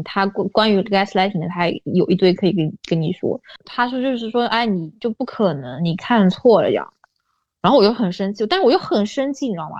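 A woman's voice: mid-range voice, no room sound. Woman guest recounting, dull dry recording. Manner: frequently asks "you know?", drops English words. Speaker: podcast guest. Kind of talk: candid personal storytelling.

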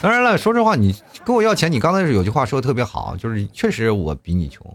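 A middle-aged man hosts a casual chat show, reading listener messages aloud and teasing the senders with jokes and frequent laughter. His medium-pitched voice is sing-song and fast, with soft music behind him.

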